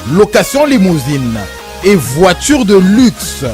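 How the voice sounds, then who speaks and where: A man chanting and singing an advertising jingle in a lively, hyped-up way. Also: high-pitched, takes it slowly. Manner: lively, chanted sing-song hype. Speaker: jingle singer. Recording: jingle mixed over hip hop beat. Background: hip hop music.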